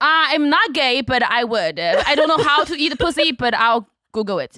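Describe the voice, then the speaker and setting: A woman's high, raised, projected voice with very wide pitch swings. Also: moderate pace. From China. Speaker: stand-up comedian. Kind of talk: casual podcast chat. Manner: halting, with many fillers.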